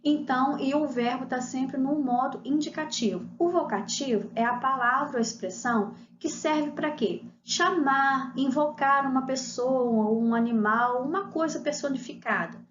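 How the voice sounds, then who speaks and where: A woman with a high voice teaches a video lesson, walking through exercises and asking her students questions as she goes. The sound is roomy and a little dull, with faint noise behind her. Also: a little slow, few pauses. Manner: explains step by step, asks the class rhetorical questions.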